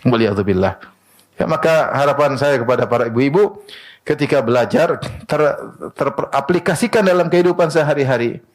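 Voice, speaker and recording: A man's voice: medium pitch, animated, normal speed. A man preaching a sermon to a women's study group, asking rhetorical questions and answering them himself. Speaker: Islamic preacher.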